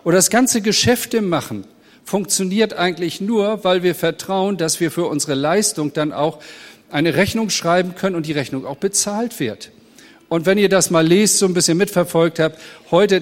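A man's voice: high-pitched, long reverb tail. A man preaching a sermon, speaking directly and energetically to his congregation. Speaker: pastor.

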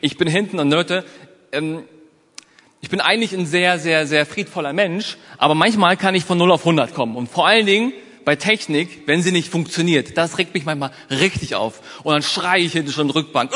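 Lively man telling a story in a reverberant hall. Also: a little high, normal speed. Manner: lively storytelling, addresses listeners directly. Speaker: speaker giving a motivational talk. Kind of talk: storytelling motivational talk.

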